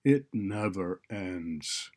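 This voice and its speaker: A man voicing a callous, sarcastic male college dean in a story, loud and exasperated. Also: deep voice, animated, very slow, full character voice. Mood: dismissive, weary. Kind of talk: audiobook character dialogue.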